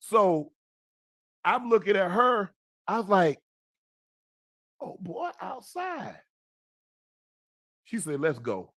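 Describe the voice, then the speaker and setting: High-voiced man telling casual stories, dry sound. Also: big pitch swings, takes it slowly, pauses often, a bit bright, dry recording. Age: 50s. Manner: repeats phrases and calls out to his co-host for emphasis. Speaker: podcast host. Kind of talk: animated casual storytelling.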